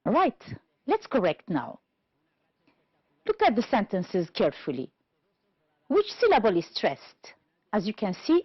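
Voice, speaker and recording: A woman teaching an English pronunciation lesson on television, explaining slowly and deliberately and checking understanding with questions. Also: medium pitch, breathy edge, no room sound. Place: TV studio. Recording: dull, lo-fi dry studio sound.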